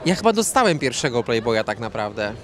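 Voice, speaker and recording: A man in his thirties answering questions at an outdoor evening gala into a handheld mic, relaxed and rambling with many fillers. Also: mid-range voice, a little fast, some chatter behind. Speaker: interview guest, fashion designer. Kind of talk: red-carpet interview. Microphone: handheld reporter mic.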